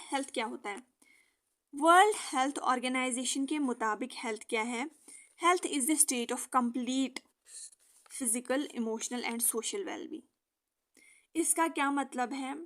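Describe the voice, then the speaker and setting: A young woman explaining a lesson for exam students in casual Hindi with English terms, often checking in with a quick "okay". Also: sits high, fairly bright tone. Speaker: exam-prep teacher.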